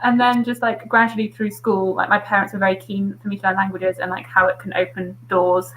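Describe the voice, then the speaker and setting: A woman's voice: mid-range voice, little pitch movement, brisk, fairly bright tone, a little hiss or hum, rough recording. A woman hosting a casual video-call discussion, chatty, with a lot of "like" fillers. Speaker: host.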